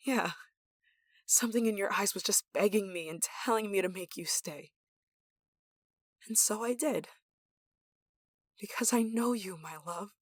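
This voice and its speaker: A woman playing an obsessive, possessive lover in an intimate ASMR roleplay, sweetly menacing and breathy. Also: mid-range voice, a bit bright, dry recording, clean studio sound. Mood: tender, clingy. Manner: breathy sighs and chuckles, dropping to whispers.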